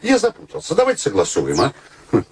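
An actor playing a cheeky, clinging middle-aged suitor in a radio play, mock-polite, ironic and theatrical. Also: male voice, a little high, wildly swooping pitch, fast, gravelly, a little hiss or hum, heavily acted. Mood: teasing, jealous.

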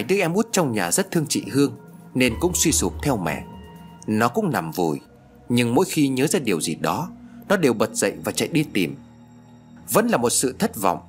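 A man narrating a ghost story in an expressive, dramatic way. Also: mid-range voice.

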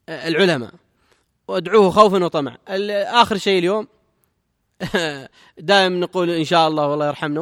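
Fast, bright-voiced preacher in a hall. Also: male voice, high voice. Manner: earnest, exhorting, rhetorical questions. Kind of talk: Quran reflection lesson.

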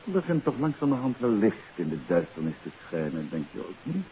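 An actor playing a courteous, composed detective who probes politely in a 1950s radio drama. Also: male voice, fairly low pitch, big pitch swings. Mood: inquisitive. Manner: polite, measured, inquisitive. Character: composed, courteous male amateur detective, quietly probing. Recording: hissy, tinny 1950s radio recording.

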